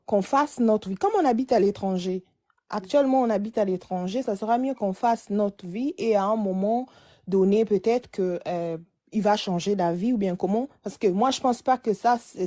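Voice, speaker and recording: A woman's voice: mid-range voice, dark tone. A woman in her late twenties calling in for advice, telling her story hesitantly with many restarts. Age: late 20s. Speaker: caller. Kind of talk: phone-in advice call.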